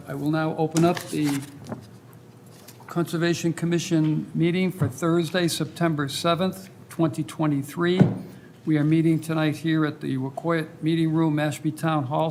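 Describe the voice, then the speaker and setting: Male meeting chair, semi-formal, slightly high and creaky, recorded in a meeting room with faint noise. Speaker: commission chair. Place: town hall meeting room.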